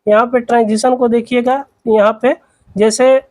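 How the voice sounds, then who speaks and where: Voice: medium pitch, steady tone, moderate pace, a little mellow. A person explaining a repair step by step in an instructional, repetitive way, as the host of a tutorial.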